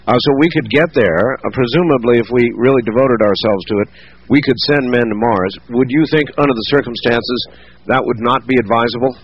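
A man hosting a call-in radio show, chatting in a relaxed way with frequent fillers. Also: mid-range voice, fairly quick, slightly rough. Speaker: radio talk show host. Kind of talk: late-night call-in talk radio. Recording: dull lo-fi radio broadcast.

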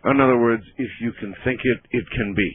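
A man hosting a call-in radio show in a calm, practiced radio-host manner, introducing callers and steering the talk. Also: mid-range voice, brisk, husky, dry recording. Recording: narrow phone-like broadcast sound.

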